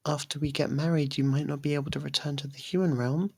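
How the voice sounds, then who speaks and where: A lovestruck faerie royal, voiced by a performer, speaks in a mid-pitched voice for an intimate ASMR roleplay. The delivery is soft and halting, tender yet anxious, with a clingy, possessive streak. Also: little pitch movement, breathy edge. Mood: tender, protective.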